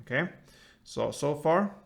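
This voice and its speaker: A man giving an informal step-by-step guitar lesson in short, halting phrases as the host. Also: a little high, expressive, vocal fry. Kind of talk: step-by-step instrumental tutorial. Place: indoors, small room, seated with guitar. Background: acoustic guitar playing.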